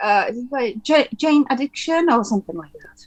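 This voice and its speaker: A woman with a Czech accent speaks in a high voice at a moderate pace. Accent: foreign accent (Czech). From Czech Republic. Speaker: guitar teacher. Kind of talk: interview conversation. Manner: hesitant, many fillers.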